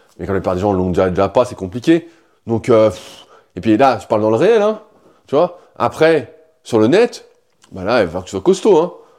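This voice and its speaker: On a very clean recording with a silent background, a man at medium pitch makes very wide pitch swings and takes long, frequent pauses. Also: moderate pace. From Paris, France. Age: 30s. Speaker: bodybuilding coach and entrepreneur. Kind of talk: casual interview chat.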